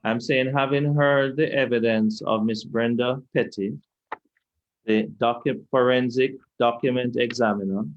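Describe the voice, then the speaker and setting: Deliberate Jamaican lawyer cross-examining. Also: male voice, medium pitch, steady tone, lo-fi sound. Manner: measured, deliberate, repetitive questioning. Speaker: lawyer questioning a witness. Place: inquiry hearing room.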